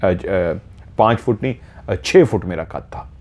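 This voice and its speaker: A man's voice: sits low, expressive, a little slow, darkish tone. A man telling a horror story, earnestly retelling a listener's dream in first person and drawing out repeated phrases.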